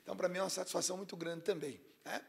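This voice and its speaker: Raspy-voiced TV host, gravelly and emphatic. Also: male voice, high-pitched, fairly even intonation, very fast. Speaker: TV program host.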